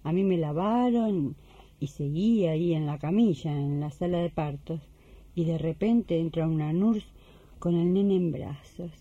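A woman's voice: on the low side, a little slow, mellow, husky, no room sound, muffled recording. A woman playing an emotional, devout young mother in a radio drama, speaking chatty, heartfelt Rioplatense Spanish. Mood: tender, moved.

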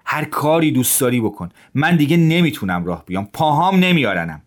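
A man's voice: mid-range voice, animated, pitched above the performer's own voice, close to an everyday voice. A man voicing a weak, timid officer who whines and pleads. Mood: despairing. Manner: whining, pleading. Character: weak, timid, complaining male Russian officer.

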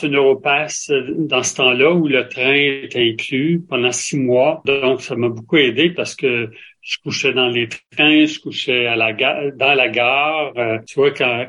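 Older man, bright voice. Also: medium pitch, fairly even intonation, measured pace. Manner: rambling, full of hesitations and restarts. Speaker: guest. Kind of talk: casual interview chat.

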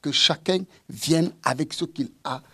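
A man's voice: on the high side, unhurried, pushed and bright, husky, no room sound. A man arguing his side in a formal debate, impassioned and emphatic, often repeating himself for force. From French-speaking, living in Toronto.

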